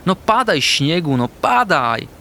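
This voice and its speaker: A man's voice: on the high side, expressive, measured pace, a bit bright, slight background noise. A man voicing a small, impatient and dramatic male hamster who whines and complains in a storybook reading. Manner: whiny, exaggerated complaining.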